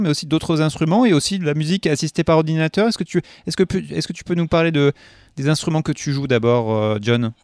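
Clear-voiced male radio host. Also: medium pitch, no echo, clean studio sound. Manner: halting, many fillers and restarts. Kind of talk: radio interview, translating for listeners. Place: radio studio.

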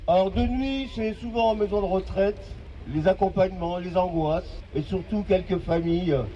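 A man's voice: high-pitched, warm tone, recorded from a distance, lo-fi sound, a little hiss or hum. Impassioned man in his fifties, oratorical. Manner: impassioned, oratorical, with dramatic pauses and repetition. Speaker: care aide giving a testimony. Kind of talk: impassioned public testimony. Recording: voice from off-mic.

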